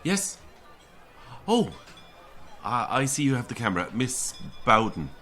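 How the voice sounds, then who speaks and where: An actor playing an awkward, folksy Irish Catholic priest in a naturalistic audio drama. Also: male voice, medium pitch, very animated, measured pace, sharp tone. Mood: eager, chatty.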